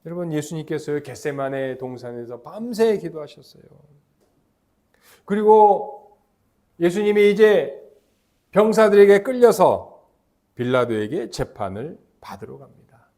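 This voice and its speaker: A middle-aged man preaching a sermon as pastor, emphatic and lively, leading the congregation in call-and-response chants. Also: a little high, measured pace, pauses often.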